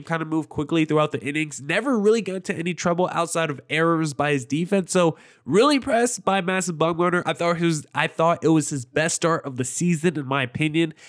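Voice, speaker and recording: A young man with a nasal, congested voice from allergies, hosting a sports podcast in a chatty, opinionated, rambling way. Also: a little high. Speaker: podcast host. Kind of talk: casual sports podcast commentary.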